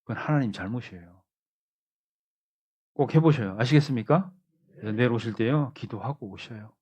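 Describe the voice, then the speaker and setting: A man's voice: medium pitch, a little fast, a little mellow, breathy edge. A man preaching a sermon in a conversational way, often asking his congregation rhetorical questions. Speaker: pastor. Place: church hall.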